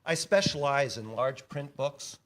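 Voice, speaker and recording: A man's voice: medium pitch, animated, a little slow, a bit bright, slight background noise. A man playing a goofy, dim, eager sidekick in a staged comedy reading, earnest and given to stammering and bellowing. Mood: sheepish, earnest. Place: live staged reading in a church.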